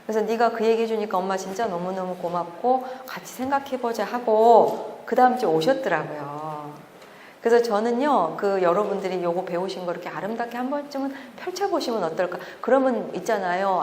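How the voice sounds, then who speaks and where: A middle-aged woman giving a public lecture to parents, telling a story in a lively way and asking the audience questions. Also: mid-range voice, a little hiss or hum. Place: lecture hall. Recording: echoey hall, faint ambience.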